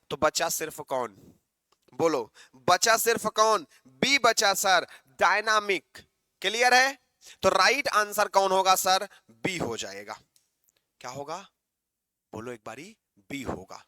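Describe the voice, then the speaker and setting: Male exam-prep tutor, slow and coaxing, with a smooth, dry voice. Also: high-pitched, sharp tone, no echo. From Northeast India. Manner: brisk and coaxing, calls out for quick answers, reads English options slowly. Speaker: exam-prep English teacher. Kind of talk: online exam-prep lesson.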